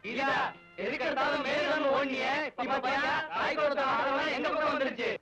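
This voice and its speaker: A high, quick-talking student. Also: male voice, steady tone, lo-fi sound. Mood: teasing. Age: young adult. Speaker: college student. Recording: old film soundtrack with music.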